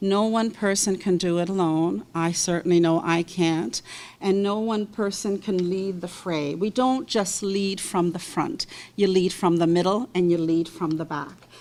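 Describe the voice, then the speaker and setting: Speech comes at a fairly slow pace with a non-native accent. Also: woman, medium pitch for a woman, ordinary pitch variation. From immigrant to Canada at age eight. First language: not English. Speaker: school board director. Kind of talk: roundtable speech. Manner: formal.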